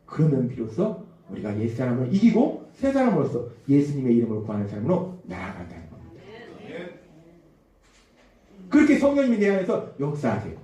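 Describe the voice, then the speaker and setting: A man preaching a Sunday sermon, acting out quoted voices and dropping to a hush at times, recorded from a distance in a church. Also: mid-range voice, a little fast, long pauses. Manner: animated, acts out quoted voices, drops to a hush. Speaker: pastor. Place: church sanctuary. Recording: echoey church hall from a distant mic.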